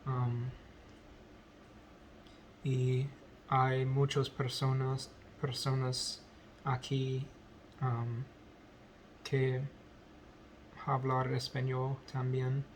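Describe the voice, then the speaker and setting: A man whose first language is English, speaking in a halting vlog as a learner, full of pauses, ums and self-corrections. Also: medium pitch, monotone, slight background noise. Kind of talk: halting unscripted speech practice.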